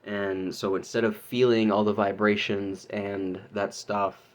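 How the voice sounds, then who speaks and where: A man talking casually in a practice diary, explaining things in a halting, rambling way. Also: lowish voice, flat delivery. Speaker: student vlogger learning harsh vocal technique.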